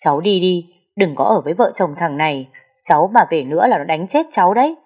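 A woman's voice: lowish voice, expressive, fast, a little mellow, slightly rough. A woman voicing a kind older male neighbor who earnestly defends a mistreated girl. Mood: earnest, indignant. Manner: earnest, indignant, fatherly. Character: kind older man, neighbor, protective and indignant.

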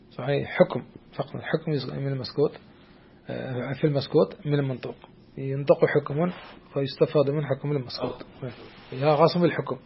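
A man teaching a classical text of Islamic jurisprudence to a student. He talks hesitantly, with many drawn-out fillers and restarts, and keeps checking that the student follows. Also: mid-range voice, creaky, highs cut off, a little hiss or hum.

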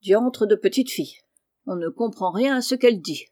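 A woman voicing a kindly, blunt middle-aged male farmer in an audiobook, speaking low and hushed. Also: moderate pace, no room sound, clean studio sound, close to an everyday voice. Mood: gruff. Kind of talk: audiobook character reading.

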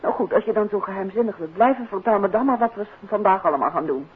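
An actress playing a detective's curious, teasing wife in a 1950s radio play, bantering and playfully nagging. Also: female voice, mid-range voice, fast talker, breathy edge. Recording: muffled, hissy 1950s radio recording.

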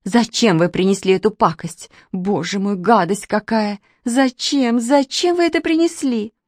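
A woman voicing a fussy, excitable, squeamish aunt in a storybook reading, with high shrill exclamations. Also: unhurried, no room sound, studio quality, close to an everyday voice. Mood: shrieking disgust.

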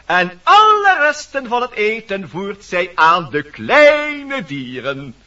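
A man's voice: sits high, very animated, slow pace, bright, forceful tone, full character voice. A man voicing a talkative, fussy woodpecker who narrates theatrically in a radio play. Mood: chatty, confiding. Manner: theatrical, addressing audience, fussy. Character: talkative, lively woodpecker, protective leader and narrator. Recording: dull, distant vintage radio recording.

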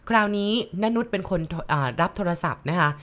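A woman's voice: lowish voice, quick pace, a bit bright. A woman narrating a ghost story in a polite manner, speaking directly to her listeners.

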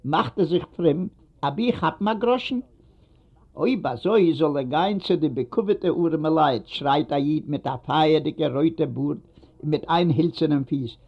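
Guy reading a novel aloud, steady pace, voice a little high, dull lo-fi sound. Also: unhurried, creaky. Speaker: narrator. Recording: dull lo-fi recording.

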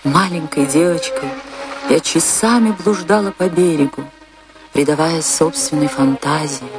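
A woman's voice: low-pitched, music in the background. An actress playing a dreamy, proud, passionate woman dancer recalling her life in a poetic, theatrical radio monologue. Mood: dreamy, wistful. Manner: dramatic, poetic, deliberate delivery with long pauses.

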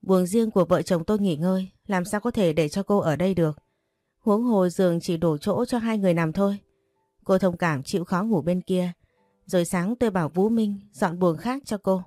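A man's voice: sits high, normal speed, a little mellow, dry recording, soft background music, lightly acted. A woman reading the part of a teasing, possessive young master of the house, in a storybook. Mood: firm. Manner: teasing and bossy.

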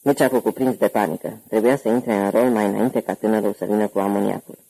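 A man narrating an audiobook in steady, even scripted storytelling. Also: fairly low pitch, creaky, husky, rough recording.

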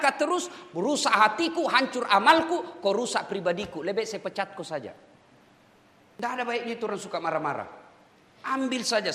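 Male preacher with a Makassarese Indonesian accent, bright voice, echoing hall. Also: very high-pitched. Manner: animated, acts out dialogue, shifts voice sharply. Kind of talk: sermon to prison inmates.

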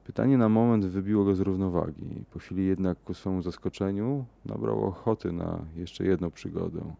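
A deep, gravelly male voice reads a horror story in a measured, unhurried way. The tone is dark and mellow, and he grows hesitant when he talks off script. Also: no room sound. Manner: measured, hesitant in the outro with fillers. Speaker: podcast host and reader.

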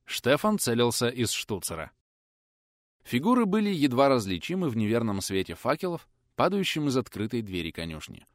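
Audiobook narrator, man, tense vivid reading, lively pitch, dry studio sound. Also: moderate pace, no room sound.

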